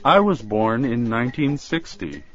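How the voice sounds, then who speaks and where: Man, slow drill reader, animated. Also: mid-range voice. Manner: slow, careful enunciation. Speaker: drill speaker in language lesson. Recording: dull recording with faint music.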